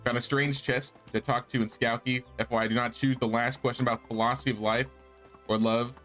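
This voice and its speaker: A man streams a game and keeps up an easy, chatty patter, reading out his viewers' messages and replying to them. His voice sits at a middling pitch. Quiet game music hums underneath. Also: little pitch movement, brisk. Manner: chatty, reads chat and answers viewers. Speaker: gaming streamer. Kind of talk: casual live-stream chat while playing.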